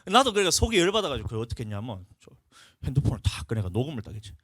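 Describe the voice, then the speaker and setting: A male pastor, telling a personal story in a lively, animated sermon. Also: mid-range voice, very fast, no echo, studio quality. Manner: animated storytelling, acts out a quarrel. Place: church.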